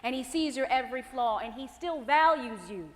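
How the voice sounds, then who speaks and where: An actress playing a hopeful figure of faith, speaking tenderly and pleading. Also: female voice, high-pitched, moderate pace, close to an everyday voice. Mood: reassuring. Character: gentle hopeful woman personifying faith and future. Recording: reverberant hall.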